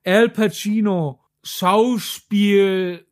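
A woman's voice: medium pitch, steady tone, drawn-out words. A woman co-hosting a podcast, telling rambling, self-mocking stories about films. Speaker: podcast co-host. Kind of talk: casual film chat.

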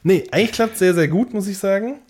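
A man's voice: high voice, quick pace, a little mellow. A man co-hosting a podcast in casual, unscripted chat, explaining things in a rambling, searching way and often rephrasing. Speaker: podcast co-host.

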